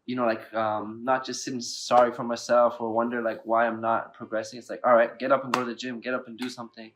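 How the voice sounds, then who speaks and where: A man's voice: mid-range voice, little pitch movement, quick pace, background noise. A man in his late thirties hosting an interview, enthusiastic and chatty, filling his speech with "like". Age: 30s. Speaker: podcast host. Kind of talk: casual interview talk.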